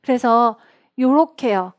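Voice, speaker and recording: A woman teaching an exam prep lecture in a chatty, animated way. She laughs often and acts out short quoted lines. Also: a little high, slow pace. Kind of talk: online lecture.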